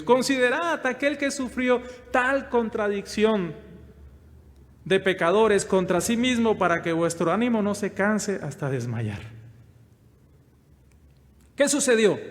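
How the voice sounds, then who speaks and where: A male preacher gives an expository sermon in a church, his voice pitched high and his pace slow and deliberate. He puts questions to his listeners and answers them himself. The sound carries a long reverb, as in a large hall. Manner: slow, emphatic delivery.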